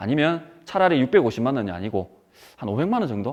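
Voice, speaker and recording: Over a quiet background, a man speaks very fast at a medium pitch, his tone animated and his pitch swinging very widely. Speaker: wildlife photographer and camera lecturer. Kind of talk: lecture. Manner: animated, conversational.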